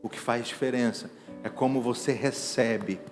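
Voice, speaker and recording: A middle-aged man, preaching an evangelical sermon in emphatic bursts that swing between hushed and loud. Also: medium pitch, steady tone, normal speed. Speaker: pastor. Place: church sanctuary. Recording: reverberant hall with faint music behind.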